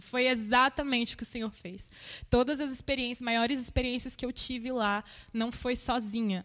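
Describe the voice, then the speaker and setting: A woman with a slightly high voice tells a personal faith testimony, emotional and chatty, often checking in with her listeners. The sound is reverberant, with a long tail as if in a large hall. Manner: emotional and conversational, with frequent tag questions. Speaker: church member giving a testimony.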